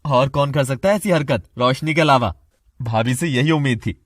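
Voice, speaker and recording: A man's voice: medium pitch, moderate pace, no room sound, studio quality. A man acting in a family drama, speaking in a scolding, indignant way.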